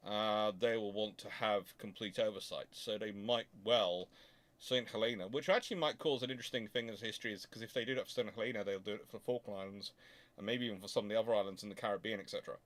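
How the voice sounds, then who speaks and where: The host of a naval history channel, a man with a fairly low pitch and fairly bright tone, fields questions off the cuff during a history talk. He's halting, thinking aloud and repeatedly stopping to correct and rephrase himself.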